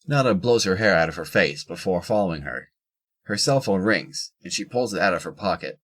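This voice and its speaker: Deep low voiced narrator reading out the action for an audio drama. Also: animated, brisk, a bit bright. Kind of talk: scripted narration of stage action.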